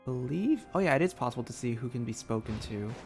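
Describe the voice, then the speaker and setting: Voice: medium pitch, animated, quick pace, a little mellow, faint music behind. A streamer giving casual commentary while playing a game.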